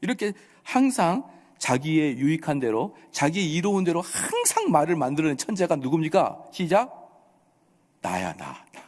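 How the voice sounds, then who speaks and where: A male pastor delivers a lively sermon, his pitch swinging widely as he acts out voices and fires off rhetorical questions. His voice sits a little high for a man. Long reverb from the church hall trails each phrase. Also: moderate pace. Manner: animated preaching, acting out quoted voices, scolding rhetorical questions. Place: church sanctuary.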